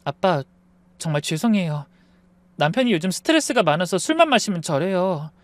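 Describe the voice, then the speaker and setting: A man's voice: high voice, very animated, normal speed, dry recording. A man voicing a hurt young wife who pleads with her father and argues back at her husband in a raised voice. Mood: pleading. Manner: pleading, indignant.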